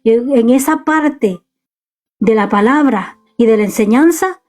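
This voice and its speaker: A woman's voice: a little high, a little slow, a little mellow. A middle-aged woman preaching earnestly to parents from a bedroom in her home. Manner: earnest, exhorting, speaks straight to parents. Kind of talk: home video sermon.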